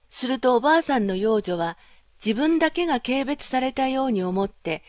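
Gentle woman reading a fairy tale. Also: a little high, dry recording, studio quality. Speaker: narrator. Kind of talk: storybook narration.

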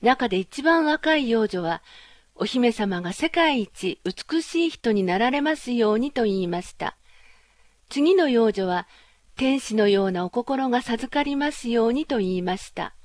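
A woman narrating a fairy tale in a gentle, measured reading style. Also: a little high, no echo, studio quality. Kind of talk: storybook narration.

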